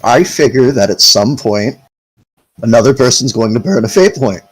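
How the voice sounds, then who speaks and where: A man's voice: medium pitch, lively intonation, normal speed, husky, rough recording. A man playing in a tabletop game, friendly and supportive toward his teammates. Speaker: player. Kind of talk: casual tabletop game chat.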